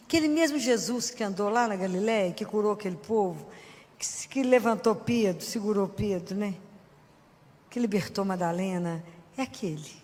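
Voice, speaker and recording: A woman's voice: mid-range voice, warm tone, in a large hall. A woman preacher with a Brazilian Portuguese accent giving a Catholic sermon in an earnest, emphatic, conversational way.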